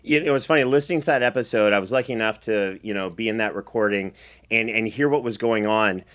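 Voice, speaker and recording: A man's voice: lowish voice, fast, a bit bright. A man hosting a conversational interview. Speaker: host and series producer.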